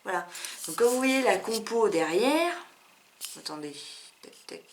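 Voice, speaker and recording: A woman's voice: mid-range voice, big pitch swings, a little slow. Chatty woman reviewing beauty products. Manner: chatty, candid, many fillers and asides. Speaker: beauty vlogger.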